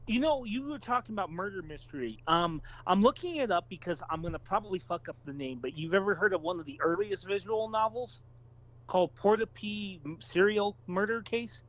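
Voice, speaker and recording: High pitched guy co-hosting a gaming podcast, casual, sweary, informal chat. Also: lively intonation, fairly quick, few pauses, a bit bright, rough recording. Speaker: podcast co-host.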